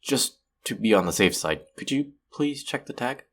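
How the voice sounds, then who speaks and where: A man's voice: mid-range voice, animated, normal speed. A man playing an awkward, apologetic and sweet young man who rambles nervously on the phone in an intimate audio roleplay. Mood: nervous, earnest. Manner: rambling, hesitant, self-deprecating, soft chuckles. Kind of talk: intimate one-sided audio roleplay, conversational.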